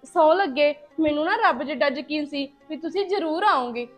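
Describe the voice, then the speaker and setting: A woman plays a returning first wife in a Punjabi village drama, speaking in a very high voice. She keeps coming back with reproachful, coaxing questions. Soft music plays faintly underneath. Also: animated, moderate pace.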